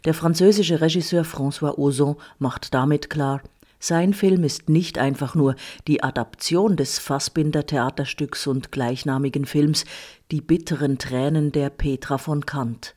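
A woman's voice: deep voice, fairly even intonation, measured pace, dark tone. Woman reading her film review off a script, radio style. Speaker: film critic.

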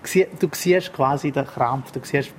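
A man's voice: medium pitch, unhurried, a crowd in the background. Hesitant man searching for words. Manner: hesitant, full of fillers and restarts. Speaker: artist interviewee. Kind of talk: casual chat.

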